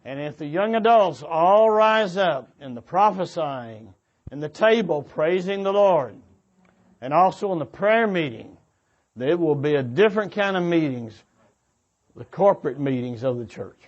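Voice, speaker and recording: Higher-voiced man preaching earnestly. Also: animated, a little slow, lo-fi sound. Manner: earnest, exhorting. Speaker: church speaker. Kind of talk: sermon-like exhortation to a congregation. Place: church meeting before a congregation.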